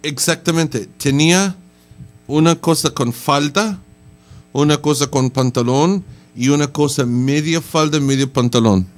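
A man's voice: on the high side, unhurried. A middle-aged man, hosting a casual morning radio show in a studio, playful and stammering. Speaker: radio host. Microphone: large studio mic on boom arm.

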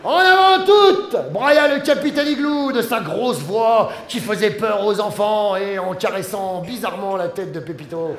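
A male comedian narrates a silly tale on a theatre stage, his voice pitched very high. He keeps breaking into comic character voices. The sound is roomy, with a clear audience murmur behind him. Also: moderate pace, few pauses. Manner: theatrical storytelling, jumping into many comic voices. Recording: roomy live stage recording with audience noise.

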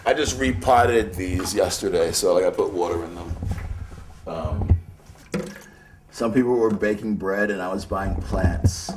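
A man's voice: sits low, unhurried, noisy background. A man from New City, an artist talking casually and rambling, with lots of filler words. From New York City. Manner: laid-back, rambling, lots of "like". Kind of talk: casual conversational interview.

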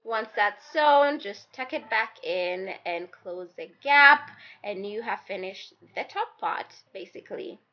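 A young woman with the flu, her voice raspy and hoarse, narrating a sewing tutorial in a chatty, playful way and talking straight to her viewers. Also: mid-range voice, animated, takes it slowly. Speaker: DIY fashion YouTuber. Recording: slightly dull audio with soft background music.

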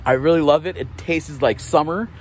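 A man's voice: a little high, normal speed. A man in his thirties chatting casually to his phone camera at arm's length, rambling and correcting himself with small laughs. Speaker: vlogger. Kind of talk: casual daily vlog to camera. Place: outdoors by a parking lot and indoors on an armchair. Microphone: phone held at arm's length.

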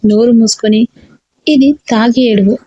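A woman's voice: fairly high pitch, fairly even intonation, normal speed, dark tone, husky, no echo, muffled recording. A woman reading a story aloud and voicing a bossy, irritable young man who scolds the heroine. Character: gruff bossy young man, a rowdy hero.

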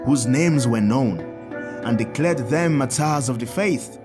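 An actor playing a kindly African Catholic priest who teaches children earnestly and emphatically in an audio drama. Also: male voice, mid-range voice, unhurried, music in the background, close to an everyday voice. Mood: earnest teaching.

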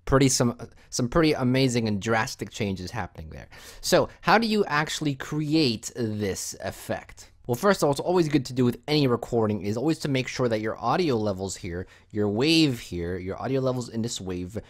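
Male tutorial host, medium pitch, casual and instructional, walking viewers through software one step at a time. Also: animated, moderate pace.

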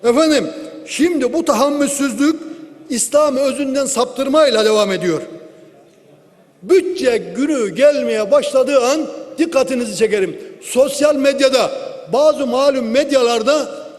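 A man speaks from a parliamentary rostrum into a lectern microphone. His voice sits very high, and a long reverb from the big hall trails his words. His delivery is forceful and declamatory, full of rhetorical questions. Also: unhurried. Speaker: member of parliament giving a speech. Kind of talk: political speech from the rostrum.

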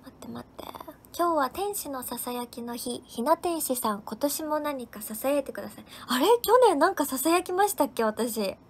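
A woman's voice: high-pitched, expressive, moderate pace. A woman hosting a casual live stream, cheerfully reading out viewers' comments and thanking each of them by name. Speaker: livestream host.

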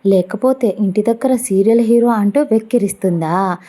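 A woman's voice: mid-range voice, moderate pace, mellow, lightly acted. A woman voicing a cocky young male film star, smug and arrogant.

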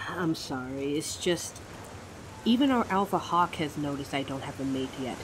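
Woman acting low-voiced female werewolf, anxious and wry. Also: expressive, measured pace, a little hiss or hum, rough recording. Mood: downcast. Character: anxious, sarcastic female werewolf nearing thirty. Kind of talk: audio drama acting.

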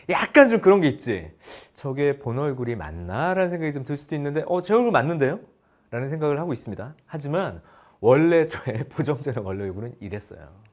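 A man delivering an online math lesson in a somewhat raised voice whose pitch rises and falls with lively energy. He is playful, switching between polite and casual speech with his students. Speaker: math teacher. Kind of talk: online lecture.

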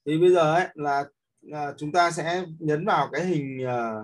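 A man with a fairly high voice speaks at normal speed as an instructor in a screen-recorded app tutorial. He teaches the app step by step, using many fillers and often checking that listeners are following.

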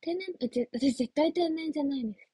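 A woman's voice: high-pitched, quick pace, mellow, dry recording. A young woman chatting casually on a livestream as an idol trainee, giggly and playful as she answers viewer comments. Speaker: idol trainee streaming live.

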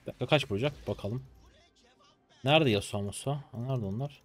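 Excitable young male game streamer. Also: medium pitch, brisk, faint music behind. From Turkey. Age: 20s. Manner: excitable, swears casually, talks to viewers. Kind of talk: live gameplay commentary.

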